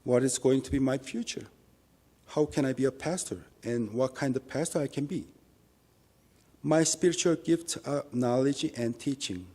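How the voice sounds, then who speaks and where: A man with a Korean accent, a native Korean speaker, giving an earnest church testimony in English with a measured, halting delivery and small restarts. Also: mid-range voice, dark tone. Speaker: lay minister giving testimony.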